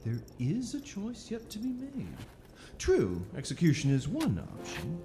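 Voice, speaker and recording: An actress playing a cruelly amused, sinister mage inquisitor with a theatrical, drawling, condescending manner in an audio drama. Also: female voice, fairly low pitch, wildly swooping pitch, a little slow, full character voice. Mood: mocking calm. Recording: long echoing reverb, music underneath.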